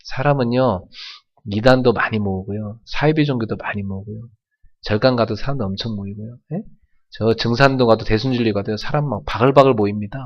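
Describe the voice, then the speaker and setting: A male pastor delivers an emphatic sermon, throwing rhetorical questions at his congregation. His voice is low. The recording sounds dull and lo-fi. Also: fairly quick.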